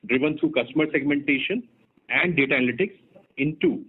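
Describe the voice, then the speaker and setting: A man's voice: on the high side, expressive, vocal fry, a little hiss or hum. Indian man on a tinny phone line. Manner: formal, measured, reading from prepared remarks. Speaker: company executive presenting results. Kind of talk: scripted earnings call presentation. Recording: muffled narrowband phone conference line.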